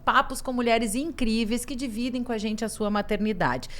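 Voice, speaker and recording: A woman's voice: on the high side, normal speed, fairly bright tone. A woman from southern Brazil with a gaúcho accent, co-hosting a podcast in a chatty, playful way, often adding tag questions. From Rio Grande do Sul, southern Brazil. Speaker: podcast co-host. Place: glass-walled studio with a live audience.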